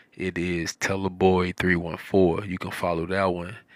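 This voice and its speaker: An St. Louis accent on a very clean recording with a silent background. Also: man. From US Midwest, St. Louis, Missouri. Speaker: ASMR livestreamer and musician. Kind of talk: casual livestream chat. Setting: live stream.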